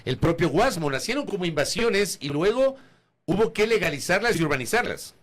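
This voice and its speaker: A man's voice: sits high, big pitch swings, a little fast, fairly bright tone. A man joining an interview conversation and running through a list of examples.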